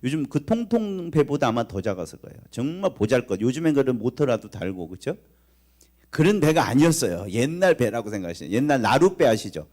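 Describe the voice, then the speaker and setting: A man preaching a Sunday sermon as pastor, his voice rising and falling in wide, animated swings. He tells the story with acted-out lines and keeps turning to the congregation with questions. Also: mid-range voice, a little fast. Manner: talks directly to the congregation, asking questions.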